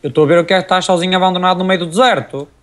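A man's voice: sits high, fairly even intonation, racing, fairly bright tone. A young man, chatting and joking with his friend while they play a game together. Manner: joking, teasing. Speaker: co-player. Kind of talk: casual gaming chat.

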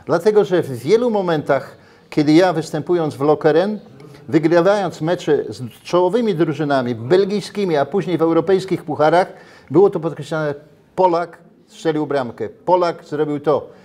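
Older man, slightly high pitch, animated, restarts often, lapel mic, restaurant interior. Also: moderate pace. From Poland. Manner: animated, gestures while talking, frequent restarts. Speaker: interviewee, former footballer. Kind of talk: casual interview. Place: brick-walled restaurant, indoors.

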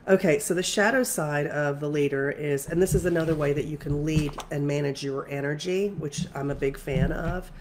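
A woman's voice: sits low, moderate pace, few pauses, a little mellow, a little hiss or hum. A woman spiritual coach who is congested, talking casually and rambling with many fillers and restarts. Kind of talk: casual spiritual talk to camera.

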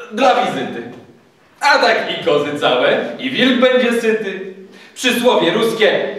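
A man's voice: a bit bright, heavily acted. A man doing a sly old army captain. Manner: low, coaxing, quoting proverbs. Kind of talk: stage recitation of epic verse. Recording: echoey hall from far off.

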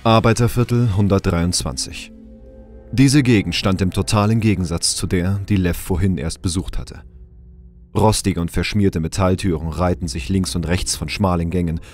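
A man's voice: low voice, moderate pace, darkish tone. Male audio drama narrator over faint music.

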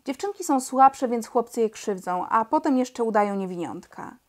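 A woman's voice: on the high side, animated, moderate pace, a little mellow, natural voice. A woman reading aloud and voicing a bold, outspoken young girl who lectures a crowd indignantly in a storybook.

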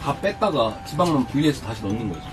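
A young man casually explaining things to friends in a relaxed conversation. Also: medium pitch, fast. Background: music.

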